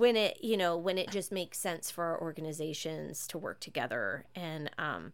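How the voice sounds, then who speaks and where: In a plain, everyday voice, a woman speaks at a fairly slow pace. Her pitch is fairly low, with ordinary variation. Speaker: podcast co-host. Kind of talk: casual chat. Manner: laughs often.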